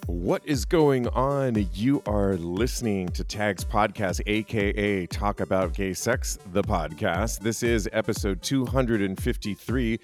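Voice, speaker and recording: A man's voice: lowish voice, unhurried, few pauses, soft background music. A man hosting a podcast in a casual, chatty style. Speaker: podcast host.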